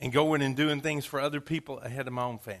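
A man with an American accent speaks at a fairly high pitch, his tone bright and sharp yet warm. The background is quiet. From Southeast Texas. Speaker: pastor. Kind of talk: sermon. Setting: church. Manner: conversational, warm, joking with congregation.

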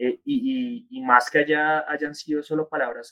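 With a bright, sharp tone and lively intonation, a man speaks at a moderate pace in a dry, close sound with no echo. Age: 20s. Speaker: digital marketing manager. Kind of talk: interview.

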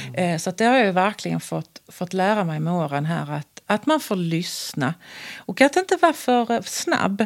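An unremarkable speaking voice from a woman at medium pitch, with lively intonation and a moderate pace. The sound is dry and close, with no echo. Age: 40s. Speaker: care sector manager. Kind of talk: casual interview. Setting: studio.

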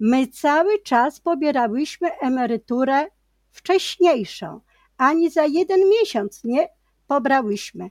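The sound is dry and close with no echo. The speaker goes very slowly with lively intonation and very even loudness. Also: woman, high pitch for a woman. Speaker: retiree and activist. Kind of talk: interview. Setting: remote call.

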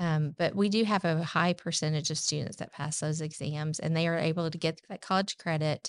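In a plain, everyday voice, a woman with an American accent talks at fairly low pitch with fairly even intonation and hardly any pauses, the sound dry and close with no echo over a quiet background. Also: fairly quick pace. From Texas, Houston. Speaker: high school math teacher. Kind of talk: casual interview.

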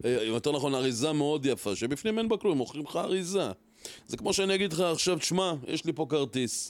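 A plain, everyday voice moves at a fairly quick pace with lively intonation. The loudness stays very even. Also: man. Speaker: actor. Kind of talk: casual chat. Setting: studio.

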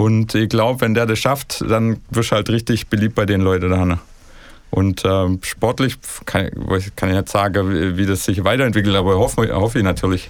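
Speaking at a moderate pace, a man with a fairly low pitch keeps his intonation fairly even and his loudness very even. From Swabia, Germany (Schorndorf). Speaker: musician. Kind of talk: casual chat.

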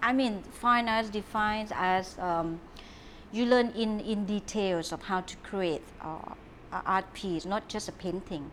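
A woman's medium-pitched voice with a Thai accent, fairly slow pace and ordinary pitch variation. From southern Thailand (Trang). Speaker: interior designer. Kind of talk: casual interview chat.

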